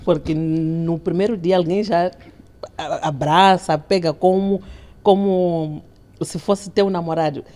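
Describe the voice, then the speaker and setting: A woman's voice: lowish voice, fairly even intonation, slow, warm tone. Mozambican woman chatting as a podcast guest. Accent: Mozambican Portuguese. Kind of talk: casual interview chat.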